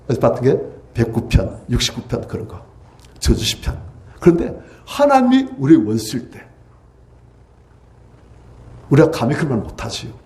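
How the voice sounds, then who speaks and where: A man preaching a revival sermon in a church, pleading loudly at times and dropping to hushed near-whispers at others. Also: a little high. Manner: impassioned, swings from loud pleading cries to hushed near-whispers. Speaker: pastor. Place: church sanctuary.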